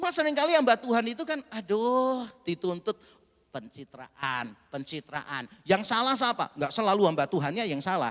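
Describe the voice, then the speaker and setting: A man speaks at a high pitch in a shrill, animated tone. His pitch swings very widely. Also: dry, close sound with no echo. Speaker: preacher. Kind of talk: sermon. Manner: casual, animated.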